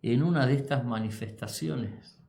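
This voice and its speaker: Christian radio host, man, dark gravelly voice, halting delivery, roomy room. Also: medium pitch. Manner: halting, many "eh" pauses, answers with "tremendo".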